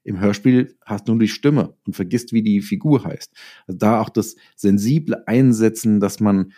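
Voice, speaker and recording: Male writer as interview guest, low relaxed voice, explains casually through examples. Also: normal speed. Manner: explains with hypothetical examples and acted-out quotes. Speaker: interviewed writer and audio drama maker.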